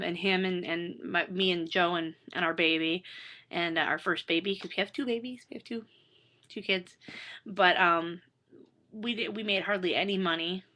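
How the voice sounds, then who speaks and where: Chatty hoarse woman in her thirties, bright tone, casual rambling asides. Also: lowish voice. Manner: self-deprecating, chatty, lots of fillers and restarts. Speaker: author reading her book.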